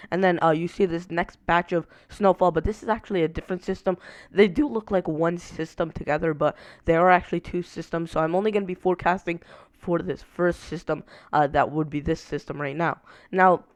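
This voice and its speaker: Young sick man with a raspy voice. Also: a little high, no room sound. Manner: many "uh" fillers while walking through maps. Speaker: weather forecaster. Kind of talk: casual online weather forecast.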